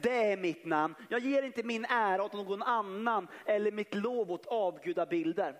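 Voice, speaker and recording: A pastor preaches with fervor, his voice sitting high for a man. He reads scripture slowly, leaning on dramatic pauses. His words ring out with the long reverb of a church hall. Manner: fervent preaching, reading scripture with emphatic pauses. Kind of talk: sermon. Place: church sanctuary.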